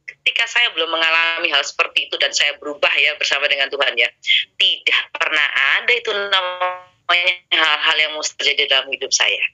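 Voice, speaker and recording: A middle-aged woman telling a casual testimony about her work as an insurance agent, animated and acting out the dialogue she quotes. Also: lowish voice, low-quality recording. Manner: animated, acts out quoted dialogue, addresses listeners directly.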